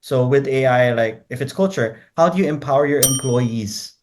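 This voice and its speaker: A man's voice: medium pitch, darkish tone. A man from Korea, a native Korean speaker, talking as a guest researcher in a conversational interview. He lays out his ideas point by point and keeps checking in with the listener. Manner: explains in numbered points, tags statements with quick checks.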